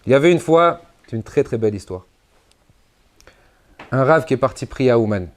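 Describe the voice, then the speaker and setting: An expressive male voice at normal speed belongs to a rabbi delivering a conference sermon. His emphatic style brings sharp jumps and drops in pitch and loudness, and Hebrew religious terms appear throughout.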